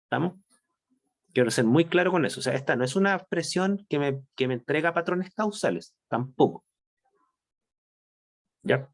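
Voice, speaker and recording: A man's voice: a little high, lively intonation, normal speed, long pauses. Man lecturing, stopping to check understanding. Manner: explanatory, checks understanding with frequent tag questions. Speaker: university chemistry lecturer. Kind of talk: online class lecture.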